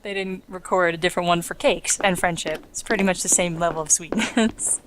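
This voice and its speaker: A woman's voice: on the low side, a little fast, a little hiss or hum, poor audio. A woman hosting a video game playthrough with casual, sarcastic commentary and the odd swear word. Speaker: let's play host. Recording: game music behind the voice. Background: video game music.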